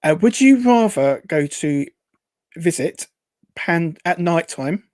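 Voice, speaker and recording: A man's voice: a little high, lively intonation, slow, darkish tone, no room sound. A man hosting a casual interview, hesitant and rambling, who says w for r. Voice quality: weak r sounds, says w for r. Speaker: host.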